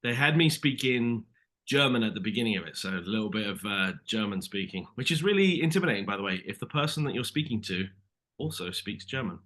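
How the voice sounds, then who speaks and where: Bright-voiced British actor, animated. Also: male voice, on the low side, brisk. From Britain. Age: 30s. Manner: animated storyteller, acts out quotes. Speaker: actor guest. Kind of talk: casual interview chat.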